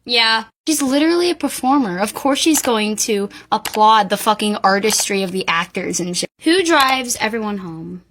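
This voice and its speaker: A woman's voice: mid-range voice, lively intonation, normal speed, hardly any pauses, a bit bright, a little hiss or hum. A woman giving casual reaction commentary in an informal, exclamatory way with plenty of swearing.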